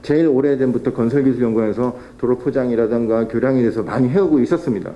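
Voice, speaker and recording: A man's voice: medium pitch, fast, dark tone, lo-fi sound. A man presenting at a policy forum, explaining technical methods with fillers and restarts. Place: council hall.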